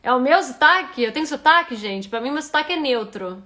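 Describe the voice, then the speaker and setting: A woman's voice: high-pitched, animated, brisk, bright, forceful tone. A woman with a Rio de Janeiro accent, a writing instructor giving a live critique of a reader's manuscript and thinking aloud with frequent restarts. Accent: Rio de Janeiro Portuguese.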